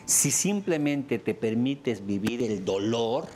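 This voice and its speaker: A Mexican man with a mid-range voice addresses a live audience as a therapist. His delivery is animated and theatrical, with sudden high leaps in pitch as he acts out everyday examples. A faint hum sits under his voice. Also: takes it slowly. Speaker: therapist giving a talk.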